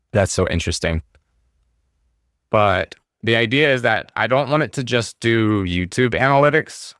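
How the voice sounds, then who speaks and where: Streamer guy, kinda low voice, going hoarse from being sick, rambles with lots of likes and you-knows, dry close mic. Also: fairly bright tone, no room sound. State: hoarse, recovering from illness. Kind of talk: casual livestream talk.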